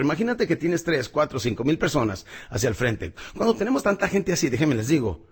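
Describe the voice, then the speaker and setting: Middle-aged male speaking coach, husky voice, big swings in pitch and loudness, motivational lesson. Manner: emphatic, swings pitch and volume widely.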